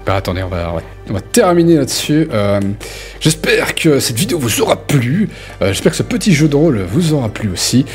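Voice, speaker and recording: A man's voice: medium pitch, sing-song, brisk, darkish tone. A man acting as game master, casually running a tabletop role-playing session and talking players through it. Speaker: game master and channel host. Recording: music behind. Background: music.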